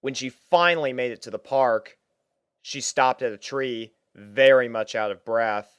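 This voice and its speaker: A narrator with a mid-pitched voice reads a story from a script. The recording is dry, with little room sound. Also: a little slow, clear, resonant tone, no room sound. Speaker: storyteller, fan fiction reader.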